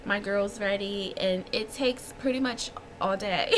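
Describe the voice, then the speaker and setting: A woman's voice: mid-range voice, measured pace, fairly bright tone, slight background noise, poor audio. A woman in her thirties chatting casually to camera at home, giggling and rambling through a list of personal questions. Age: 30s. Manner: chatty, giggly, lots of fillers. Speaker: vlogger. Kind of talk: casual chat answering tag questions. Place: small home room with shelves.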